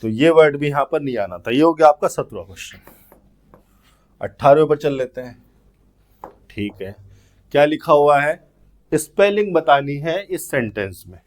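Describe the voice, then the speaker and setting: A man with a voice on the high side and lively intonation teaches English grammar in an exam-prep lesson. He explains step by step and reads the English questions out slowly.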